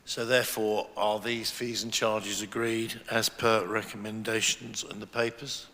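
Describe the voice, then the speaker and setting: A hoarse man chairs a council committee in a large chamber, his voice gravelly and roughening. He moves the business along in a brisk, procedural way. Long reverb hangs on each phrase. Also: lowish voice, little pitch movement, pushed and bright. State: hoarse, voice breaking up.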